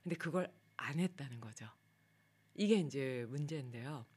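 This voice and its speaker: A woman who teaches meditation yoga, giving a casual talk in a soft, low-key way, her phrases trailing off quietly and turning higher and livelier when she acts out her own past complaints. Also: animated, moderate pace, breathy edge. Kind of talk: casual spoken talk on a daily theme.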